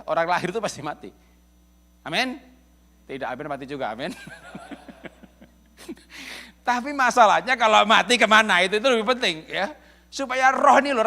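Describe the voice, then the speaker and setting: A middle-aged male pastor from Indonesia giving a lively, humorous church sermon, often chuckling as he speaks to the congregation. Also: sits high. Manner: jokey, addresses congregation as "saudara", chuckles often. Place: church service.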